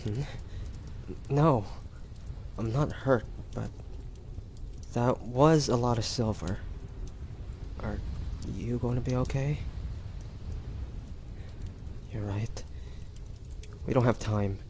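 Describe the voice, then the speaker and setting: A man playing a wounded, devoted young demon hunter in an audio drama, speaking in a halting, breathy, pained way. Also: medium pitch, a little mellow, slight background noise. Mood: strained, urgent. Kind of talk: dramatic audio roleplay acting.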